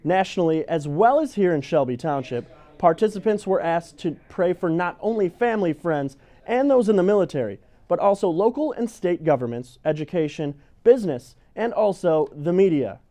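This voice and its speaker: Male local newsreader, high pitch, mellow tone, reading scripted items. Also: animated, normal speed. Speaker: local news presenter. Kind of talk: scripted news narration.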